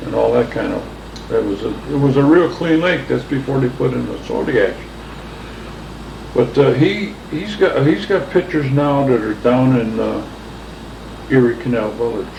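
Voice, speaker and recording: A man with an Inland North American accent speaks with long, frequent pauses. Audible room echo and noticeable background noise are present. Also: moderate pace. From Central New York. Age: 60s. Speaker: oral history interviewee. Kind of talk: oral history interview. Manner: halting.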